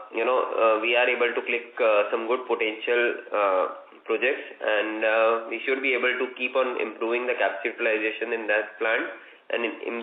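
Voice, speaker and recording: A man with an Indian accent, a company executive answering questions on an earnings call in a measured, explanatory way. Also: medium pitch. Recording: roomy, dull conference call line.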